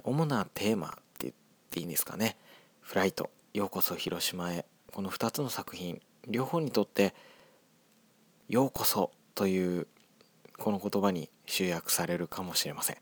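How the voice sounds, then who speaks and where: A young man from Hiroshima, the scriptwriter of an audio drama group, reflectively talking through the making of his drama with a soft, hedging manner and a Hiroshima accent. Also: sits low, dry recording. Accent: Hiroshima dialect. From Hiroshima, Japan.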